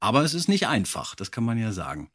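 A man's voice: mid-range voice, sing-song, fast, a bit bright, husky. A man hosting a podcast, chatting casually and sometimes reading out passages. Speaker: podcast host.

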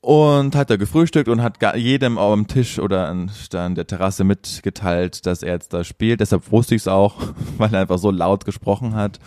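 Guy on a podcast, kinda low voice, animated storytelling, dry close mic. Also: normal speed, few pauses, no room sound. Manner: animated storyteller, many restarts. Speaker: podcast co-host. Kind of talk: casual chat.

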